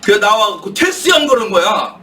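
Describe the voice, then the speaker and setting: A middle-aged man giving an impassioned political talk, asking rhetorical questions and answering them himself, sometimes shouting when worked up. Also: high voice, sing-song, a little fast, slight background noise. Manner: rhetorical, asks and answers his own questions. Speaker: guest speaker. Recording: distant mic with faint room ambience.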